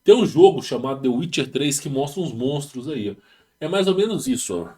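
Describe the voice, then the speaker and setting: Speaking with a Brazilian Portuguese accent, this man hosts his channel by reading a text and commenting on it casually, breaking into slangy, meandering asides with many restarts. His medium-pitched voice is expressive, fairly quick and dark in tone. He records at home over rural internet.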